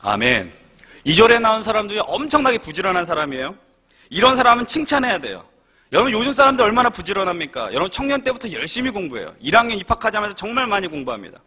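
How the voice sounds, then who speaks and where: A young man preaches a sermon in a church, high-pitched and animated, swinging his voice up and down. His tone is bright and slightly husky, and he rattles along at a quick clip, firing rhetorical questions at the congregation. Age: young adult. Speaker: pastor. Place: church sanctuary.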